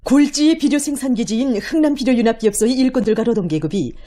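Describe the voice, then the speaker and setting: A woman's voice: fairly high pitch, animated, quick pace, warm tone. A woman with a North Korean accent narrating formal broadcast news in an emphatic, declamatory cadence.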